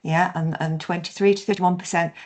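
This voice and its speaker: A woman's voice: lowish voice, steady tone, a little fast, darkish tone. A woman trainer leading an online session over a video conference call, explaining steadily and often checking in with "yeah?". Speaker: workshop trainer.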